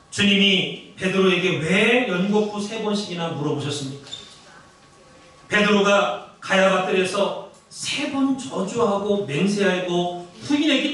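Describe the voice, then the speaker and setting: High, bright-voiced Korean pastor preaching. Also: male voice. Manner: emphatic, dramatic storytelling. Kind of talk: sermon. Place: large church sanctuary. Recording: very echoey church hall, distant mic.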